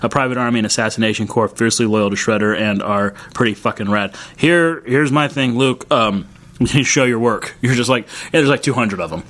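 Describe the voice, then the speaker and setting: A man co-hosting a podcast in casual comedic banter, joking and swearing in quick bursts. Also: medium pitch, a bit bright. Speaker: podcast co-host.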